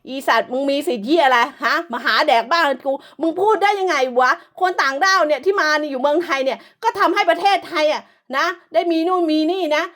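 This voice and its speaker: A woman's voice: high voice, a bit bright. A woman delivering an angry, profane, scolding rant as an online commentator, hurling insults throughout.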